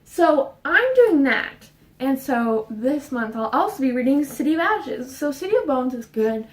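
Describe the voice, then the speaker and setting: A young woman vlogging casually about books, talking fast and rambling, a bit out of breath. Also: sits high, very animated, distant mic. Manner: fast, rambling, with fillers and restarts. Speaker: book vlogger. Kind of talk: casual book chat. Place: her bedroom. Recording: roomy sound, voice off-mic.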